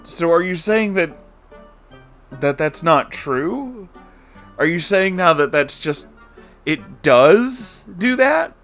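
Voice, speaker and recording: A man's voice: on the high side, big pitch swings, slow, long pauses, fairly bright tone, soft background music. A man giving a comedic recap of a book chapter, exasperated and incredulous, with laughing asides. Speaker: book reviewer.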